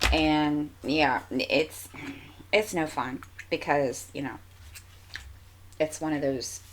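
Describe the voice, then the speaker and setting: A woman's voice: sits low, slight background noise. A woman with a stuffy nose, rambling casually with lots of fillers as a crafting vlogger. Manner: chatty, meandering, many fillers and restarts.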